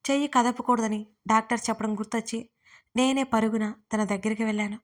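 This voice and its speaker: A young woman narrating a first-person story in an expressive, emotional reading. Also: on the high side.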